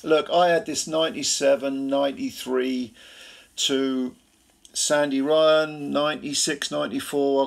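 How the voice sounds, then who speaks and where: A man's voice: medium pitch, vocal fry, breathy edge. A tired man from Britain giving a rambling, casual recap of a boxing fight late at night, full of fillers and restarts. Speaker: boxing commentator.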